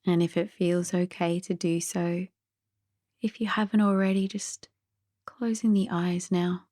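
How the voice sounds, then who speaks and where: A woman gently guiding a sleep meditation in a soothing, soft and breathy voice that drifts toward a whisper. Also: lowish voice, steady tone, a little slow, no room sound, clean studio sound. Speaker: meditation guide.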